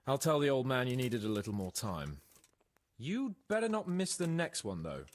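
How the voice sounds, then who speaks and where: A man's voice: medium pitch, big pitch swings, normal speed, natural voice. An actor playing a cocky, teasing young nobleman in a game.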